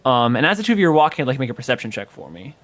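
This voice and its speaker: A man running a tabletop game, his voice sitting at an ordinary middle pitch. He narrates in a halting way, padding nearly every phrase with ums and kinda. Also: sing-song, a bit bright. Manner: hesitant, full of ums and kinda. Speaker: game master.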